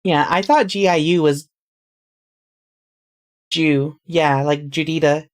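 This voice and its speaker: A woman livestreamer with a creaky voice, narrating a story and dropping into casual, chatty asides. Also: low voice, takes it slowly. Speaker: livestreamer reading a story aloud.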